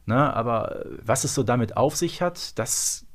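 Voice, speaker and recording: A man with a medium-pitched voice co-hosts a podcast. He talks casually and colloquially, often ending his remarks with a short tag question. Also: lively intonation, moderate pace. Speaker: podcast co-host. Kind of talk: casual fan discussion.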